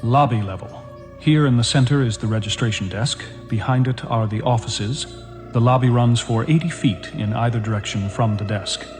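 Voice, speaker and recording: A man voicing a fussy, scholarly male hotel manager who lists rooms in a precise, deliberate way. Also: mid-range voice, pitched below the performer's own voice, natural voice. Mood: pompous. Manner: precise, deliberate tour-guide delivery. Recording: music playing under the voice.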